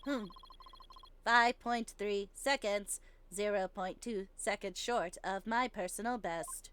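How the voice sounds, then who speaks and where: A woman's voice: mid-range voice, takes it slowly, a bit bright, clean tone. Woman doing a clipped, precise robotic bomb technician. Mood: clipped, exact. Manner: clipped, terse phrasing.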